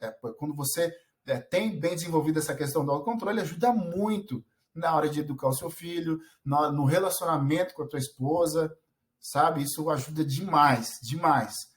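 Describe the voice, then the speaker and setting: A Brazilian parenting vlogger speaks directly to the camera, offering advice in a casual, earnest manner. His voice is fairly high for a man, and he frequently restarts sentences and fills pauses with filler words.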